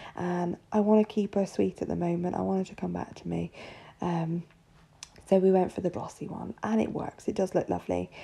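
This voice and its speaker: A woman speaks quietly at a fairly quick pace. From England. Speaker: nail artist and educator; educator. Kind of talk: tutorial. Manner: casual, chatty. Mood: relaxed, jokey. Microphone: phone near.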